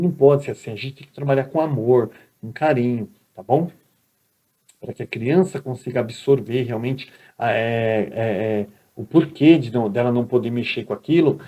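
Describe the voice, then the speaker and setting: In this recorded lecture, a male teacher with a Brazilian Portuguese accent speaks in a mid-range, dark-toned voice. He keeps things conversational and checks in with his listeners often.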